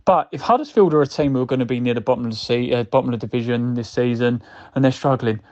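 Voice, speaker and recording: A man's voice: medium pitch, quick pace, darkish tone. A man leaving a casual, rambling voice message of football reaction, addressing the listener directly. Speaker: fan calling in with a voicemail. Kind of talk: casual match reaction monologue. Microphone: recorded voicemail message. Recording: dull lo-fi voice message.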